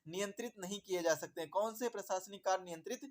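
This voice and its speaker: A man with a high voice talks fast while teaching an exam prep lesson. He goes over his points more than once, poses questions and answers them himself, and addresses viewers as "my dear brother".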